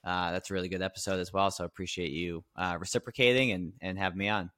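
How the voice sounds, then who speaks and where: A man's voice: low voice, fairly even intonation, quick pace, pushed and bright, no room sound, clean studio sound. A man answering as a podcast guest, modest and reflective, thinking aloud as he speaks. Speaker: podcast guest, business coach. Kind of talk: casual interview answers.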